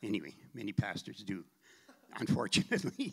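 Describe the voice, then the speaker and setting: A man with a Canadian accent, bright and sharp in tone, at a moderate pace. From Canadian prairies (Saskatchewan). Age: 80s+. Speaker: church member sharing life story. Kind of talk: testimony. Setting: church with congregation.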